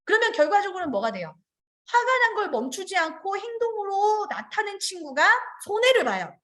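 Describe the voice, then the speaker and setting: Animated Korean woman lecturing teachers. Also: extremely high pitch, a little fast. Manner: animated, acts out children's and teachers' lines. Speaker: early childhood education trainer. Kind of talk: online teacher training lecture.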